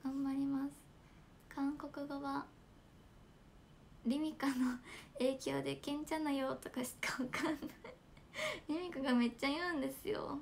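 A high, bright young woman chats casually and giggles through a livestream. Her voice has a gravelly fry at the edges, and a faint hiss of phone-mic noise sits under it. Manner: giggly, chatty, reads fan comments. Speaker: idol livestreamer. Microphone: smartphone.

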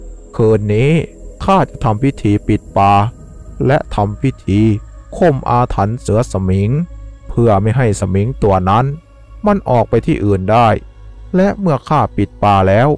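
A man voicing an old village holy man who gives a slow, grave blessing. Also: mid-range voice, darkish tone, close to an everyday voice.

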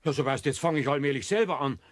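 A man's voice: medium pitch, fast, no room sound, lightly acted. An actor playing a flustered, superstitious male neighbour with a Bavarian accent in a comic radio play. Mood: baffled.

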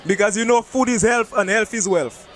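A young man, lively and casual with slang, speaking into a handheld mic on a street. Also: high voice, normal speed. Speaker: street interviewee. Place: outdoor town street.

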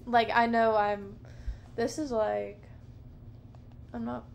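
Late at night in a dim living room, a woman in her thirties hosts a solo podcast, rambling slowly and softly through a casual monologue full of fillers. Her fairly high, gravelly voice stays flat, picked up by a close camera mic, handheld or on a low stand, with slight background noise.

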